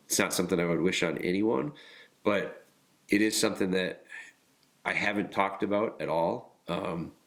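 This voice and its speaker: A man hosting a podcast with a nasal, congested voice, talking casually and haltingly with frequent pauses and restarts. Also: low-pitched, fairly bright tone. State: congested from illness. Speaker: podcast host.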